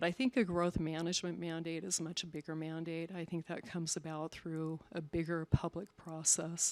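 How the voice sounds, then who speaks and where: In a very clean recording with a silent background and a dry, close sound with no echo, a woman with a fairly low pitch talks at a moderate pace, her intonation fairly even and her pauses hardly any. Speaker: certified planner giving public testimony. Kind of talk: public hearing testimony. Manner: halting, many fillers.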